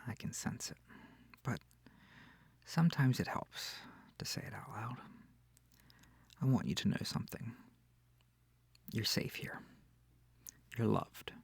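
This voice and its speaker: A man playing a kind, comforting incubus demon in an intimate ASMR roleplay, speaking softly and tenderly with hesitant, breathy reassurance. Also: medium pitch, dry recording, full character voice. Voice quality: breathy, often near whispering. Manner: soft, tender, hesitant, soothing. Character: gentle, comforting, shy-sweet male incubus demon.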